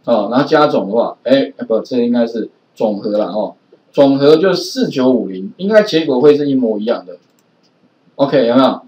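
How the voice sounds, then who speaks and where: A man's voice: mid-range voice, animated, normal speed, darkish tone. A male programming teacher with a Taiwanese Mandarin accent, giving a recorded classroom lecture in a chatty way with many filler particles. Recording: roomy, distant, dull lo-fi classroom audio.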